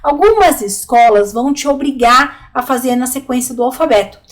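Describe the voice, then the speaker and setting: Brazilian lady teacher, high voice, explaining stuff to other teachers, keeps asking "ok?". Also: normal speed. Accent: Brazilian Portuguese. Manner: explanatory, addresses teachers directly, frequent "tá?" check-ins. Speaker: literacy teacher. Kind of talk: online teaching video.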